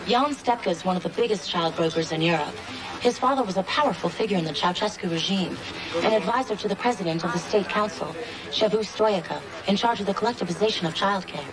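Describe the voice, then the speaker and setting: A woman's voice: medium pitch, quick pace, natural voice, poor audio. A woman playing a literal-minded android police partner, precise and matter-of-fact, in a TV sci-fi crime drama. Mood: informative.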